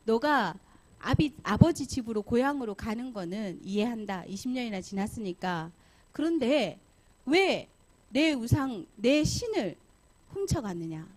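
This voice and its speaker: A woman's voice: a little high, very animated, unhurried. A woman voicing an angry older man, a scheming uncle who scolds and accuses in a Sunday school Bible story. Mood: grudging. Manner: shouting, scolding.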